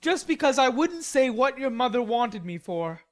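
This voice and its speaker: A woman's voice: on the high side, very animated, normal speed, voice pushed up. A woman voicing an indignant, stubborn teenage boy in a storybook, petulant and blustering. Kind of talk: storybook character dialogue.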